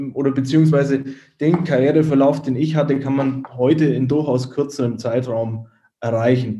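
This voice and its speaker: Here a man talks at a fairly slow pace with a fairly high pitch and a dark, mellow tone. Audible room echo surrounds the voice. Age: 30s. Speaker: entrepreneur, agency owner. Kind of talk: interview. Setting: video call.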